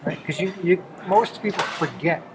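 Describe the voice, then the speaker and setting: A man's voice: a little high, moderate pace, background noise. A middle-aged man chatting casually and encouragingly with his teenage child as the host of a home video. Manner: encouraging, affirms often with "right" and "exactly".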